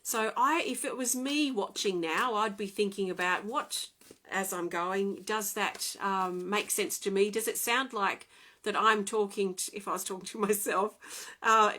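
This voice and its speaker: A woman hosts a live oracle card reading, talking in an excited, chatty and quick way. Her voice sits at an ordinary middle pitch for a woman, and she speaks from home. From Australia.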